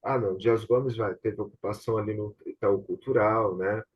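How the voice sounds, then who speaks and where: Husky male voice, Brazilian accent, conversational host, hesitant, confirmation-seeking, muffled online-call sound. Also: fairly low pitch, fairly even intonation, normal speed. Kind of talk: casual conversation about theatre and television. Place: remote online video session.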